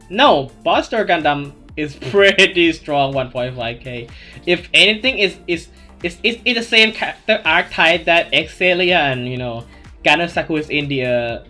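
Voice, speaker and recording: A man's voice: on the high side, pushed and bright. A man with a thick Thai accent hosting a casual gaming Q&A, rambling with lots of fillers and restarts. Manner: rambling, many "you know" fillers and restarts. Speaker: gaming channel host. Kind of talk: casual Q&A commentary over gameplay.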